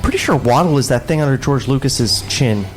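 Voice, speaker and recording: A man co-hosting a comedic table read, reading stage directions with wry, quick asides and frequent laughs. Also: mid-range voice, lively intonation, soft background music.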